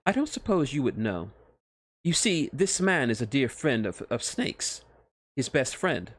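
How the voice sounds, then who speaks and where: A man's voice: medium pitch, big pitch swings, unhurried, voice pushed up. A man voicing a tall, suave, gracious female witch in a fan fiction reading.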